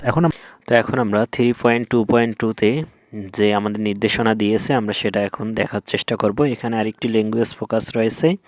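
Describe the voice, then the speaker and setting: A young man teaching an English lesson for schoolchildren. He reads each sentence slowly and with stress, then explains it quickly and asks the viewer questions. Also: mid-range voice, darkish tone, no echo.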